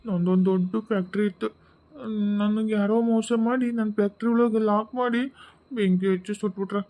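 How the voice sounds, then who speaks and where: A woman's voice: mid-range voice, fairly even intonation, fairly quick, dark tone, natural voice. A woman with a North Karnataka Kannada accent, voicing a self-pitying male ghost in a cartoon. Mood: plaintive. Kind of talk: cartoon voice acting.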